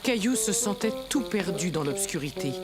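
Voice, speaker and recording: A woman narrating a children's cartoon in a gentle, clear, expressive storytelling manner. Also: fairly low pitch, normal speed, loud music behind the voice.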